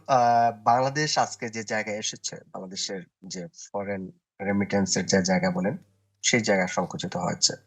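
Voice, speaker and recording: A man, a newspaper correspondent, giving opinion commentary in a TV interview, speaking deliberately and often pausing with "uh" and restarting. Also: lowish voice, a bit bright, slightly rough. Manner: deliberate, with frequent "uh" pauses and restarts.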